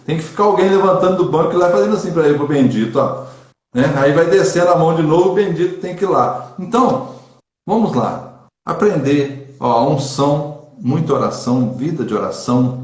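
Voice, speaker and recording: A Brazilian Catholic preacher speaking in a casual online chat, earnest and emphatic, repeating phrases for stress. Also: male voice, medium pitch, a little mellow, echoey room.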